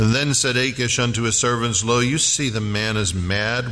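A man speaking at a moderate pace, his intonation fairly even. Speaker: pastor preaching. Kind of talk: sermon, reading scripture aloud. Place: church.

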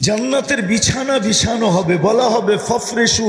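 A man's voice, with ordinary pitch variation, rises above noticeable background noise. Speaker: Islamic preacher. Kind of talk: Bangla religious sermon (waz).

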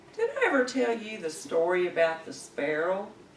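At a moderate pace, a woman talks amid light background noise and audible room echo. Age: 60s. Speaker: author. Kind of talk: talk to audience. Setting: stage with audience. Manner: interactive. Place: meeting room. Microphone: podium.

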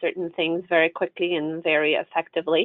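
A woman speaks in a fairly low pitch. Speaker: hospital clinical technology director. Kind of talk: webinar panel discussion. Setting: online webinar.

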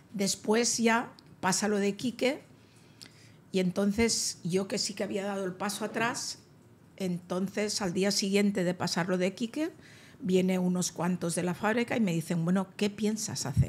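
This woman's somewhat breathy voice has ordinary pitch variation as she talks fairly slowly. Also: medium pitch for a woman. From Spain. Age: 70s. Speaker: company president; podcast guest. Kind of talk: casual interview. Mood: warm, candid, reflective. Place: studio. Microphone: studio mic.

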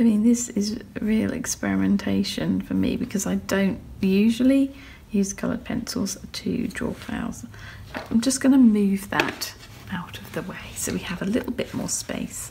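Soft-spoken and relaxed in tone, a woman speaks at a moderate pace with big swings in loudness over noticeable background noise. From British. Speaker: artist. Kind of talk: casual talk to camera while drawing. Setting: quiet room, close microphone. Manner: soft-spoken, relaxed. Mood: relaxed, slightly hesitant.

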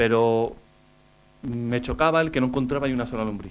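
The man's voice sits at a medium pitch, and his intonation is fairly even. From Andalusia, Spain (Carmona, Seville province); Andalusia, Spain. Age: 30s. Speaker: agronomist; speaker. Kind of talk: conference talk. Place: meeting room. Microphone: podium.

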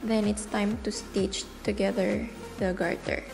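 With music playing in the background, a woman talks at a fairly slow pace. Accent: Filipino. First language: Filipino. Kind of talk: DIY tutorial voice-over. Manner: casual, upbeat.

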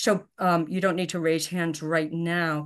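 Intonation stays fairly even while the pace is moderate. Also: woman.

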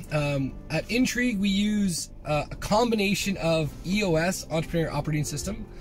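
Over faint background music, a man speaks in dry sound with no echo. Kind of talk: casual vlog chat. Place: car. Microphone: phone near.

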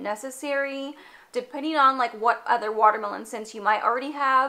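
A woman with a high voice and ordinary pitch variation talks as noticeable noise sounds in the background. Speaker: beauty vlogger. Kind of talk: casual vlog haul. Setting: home room. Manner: chatty, rambling.

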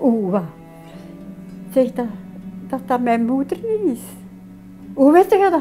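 With clear music in the background, a woman with a high pitch speaks at a very slow pace, taking long, frequent pauses as her pitch swings very widely. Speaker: interviewee telling her life story. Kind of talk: interview answer. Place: home room.

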